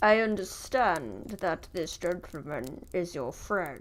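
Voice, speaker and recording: Putting on a character voice, a woman speaks at a fairly slow pace with lively intonation. Her pitch sits in the medium range. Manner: talking through teeth, imperfect.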